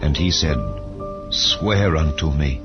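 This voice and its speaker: A man reading scripture as an audiobook narrator in a solemn, measured, deliberate way. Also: very deep voice. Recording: dull lo-fi audio, music underneath. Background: background music.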